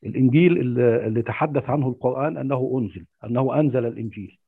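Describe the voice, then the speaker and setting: A man's voice: mid-range voice, very fast, vocal fry, slightly rough. A man with an Egyptian accent calling in with hesitant, filler-heavy questions over a phone-like line. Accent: Egyptian Arabic. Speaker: caller. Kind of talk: call-in question. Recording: tinny phone-like call line.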